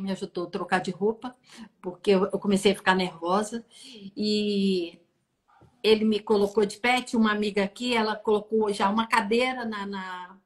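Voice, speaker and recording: A middle-aged woman telling an emotional testimony on a live stream, animated and acting out the voices in her story. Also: medium pitch. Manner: animated, acts out dialogue and sounds. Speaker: guest sharing a testimony. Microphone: phone on an online live stream.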